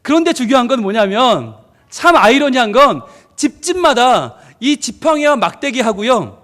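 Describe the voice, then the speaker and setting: A middle-aged man preaches at a family service in a notably high voice. His pitch swings widely as he tells stories and voices family quarrels. He keeps turning to the congregation with questions. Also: moderate pace. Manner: lively storytelling, acting out quoted family arguments. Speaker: pastor.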